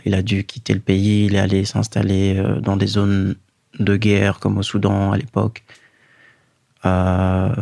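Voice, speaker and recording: A low-pitched man in his thirties from Guinea, with Fula as his first language. His voice is gravelly, and he speaks in a flat, steady tone. He talks reflectively, pausing often to gather his words, and the sound is dry and close. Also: no echo. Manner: measured, pausing often with fillers. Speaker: interview guest. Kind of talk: reflective personal storytelling.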